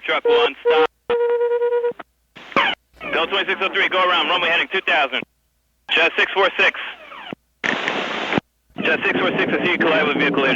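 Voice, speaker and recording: Man on crackly control-tower radio. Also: mid-range voice. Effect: crackly air traffic control radio transmission. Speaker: air traffic controller. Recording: muffled radio audio with loud static.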